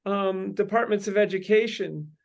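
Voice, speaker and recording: A man's voice: high voice, normal speed, gravelly. A man hosting a meeting, brainstorming in long winding sentences full of ums and uhs. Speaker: host leading a meeting.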